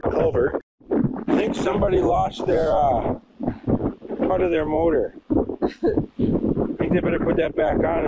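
A middle-aged man giving rambling, casual commentary as he walks outdoors and points things out. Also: on the high side. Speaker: vlogger. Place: outdoors on a windy beach. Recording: muffled outdoor recording with loud wind.

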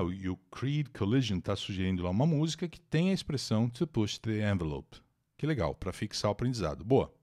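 A man from Brazil teaches English on a livestream, reading and translating an article, chatting, greeting viewers by name, and explaining vocabulary and pronunciation. His voice is on the low side with a darkish tone, recorded on a new microphone.

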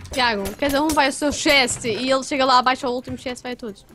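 A woman's voice: high-pitched, fairly even intonation, quick pace, bright, forceful tone, a little hiss or hum. A young woman, bantering and teasing insistently while playing a game with friends. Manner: teasing, insistent, crude jokes. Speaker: co-player. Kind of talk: casual gaming banter.

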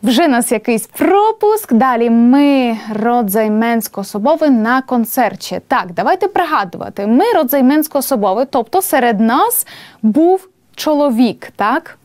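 A woman teaching a language lesson at a board, explaining patiently and spelling out examples slowly. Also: on the high side, animated, darkish tone, dry recording.

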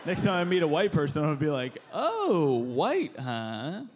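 A man in his thirties doing a stand-up set on a club stage with a handheld mic, punchy and animated, with loud put-on voices. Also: on the high side, moderate pace. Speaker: stand-up comedian. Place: club stage before a live audience. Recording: live club recording with crowd noise. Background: audience laughter.

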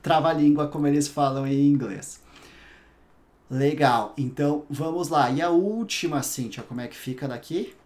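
A Brazilian man teaching a private English lesson, patiently explaining pronunciation and repeating English words slowly to demonstrate the sounds. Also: fairly high pitch, darkish tone. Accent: Brazilian Portuguese.

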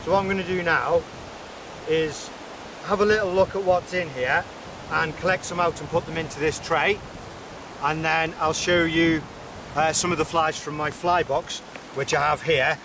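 A man's voice: fairly high pitch, fairly even intonation, distant mic. A Welsh man in his forties, a fly fishing instructor, explaining his setup step by step while standing outdoors by a river, recorded on a camera mic. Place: outdoors beside a rushing river. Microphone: camera mic, close framing. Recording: loud river noise behind voice. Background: rushing river water.

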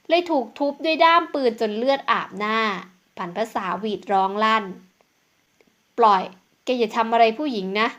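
Woman, audiobook narrator, steady storytelling, slightly high voice.

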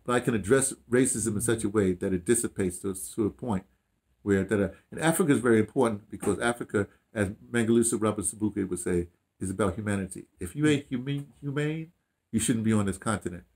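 The voice is on the low side, fast and a little mellow, from an American man aged sixty or more. As an audio dramatist under interview in a small room at home, he reflects casually and tells stories, rambling with emphasis, restarts and repeated phrases.

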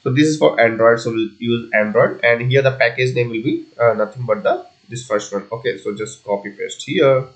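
A man presenting an unscripted software tutorial, talking haltingly as he thinks through each step aloud. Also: medium pitch, rough recording. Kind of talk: unscripted screencast coding tutorial.

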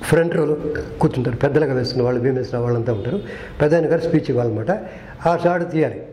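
Speaking very fast in a medium-pitched, dark voice, an older film director tells earnest stories from old shoots and performs the quoted lines himself. The echoey recording carries slight background noise.

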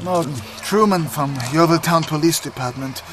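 A man's voice: a little high, normal speed, music in the background, natural voice. A man playing a grumpy, sardonic detective inspector in a German crime audio drama. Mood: businesslike. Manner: sarcastic, dry. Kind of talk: German crime radio play acting.

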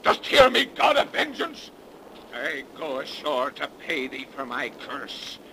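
Doomed captain: grandiose, bitter, defiant, slow and dramatic; noisy old radio melodrama. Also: male voice, mid-range voice, big pitch swings, sharp tone, heavily acted. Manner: grandiose, archaic, theatrical declaiming. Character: cursed sea captain, bitter, vengeful, defying God. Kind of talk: 1930s radio melodrama acting. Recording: noisy 1930s radio broadcast.

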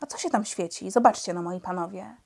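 An eager boy king hurrying everyone along, brisk and urgent, as a woman reader puts him on. A storybook voice at an ordinary middle pitch. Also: gravelly, darkish tone, breathy edge.

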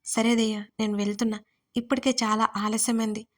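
A woman storyteller voicing an affectionate, gently teasing young man in a romance audio story. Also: fairly high pitch, level tone, a little fast, close to an everyday voice. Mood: caring.

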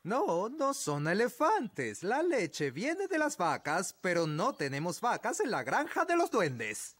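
Lady doing a fussy old elf guy, latin american spanish, slow and super animated, cartoon with music behind. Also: mid-range voice, husky, dry recording, exaggerated voice. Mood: stern. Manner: pompous, pedantic, exclamatory. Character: fussy, bossy old male elf, stern teacher. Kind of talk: animated children's cartoon dub.

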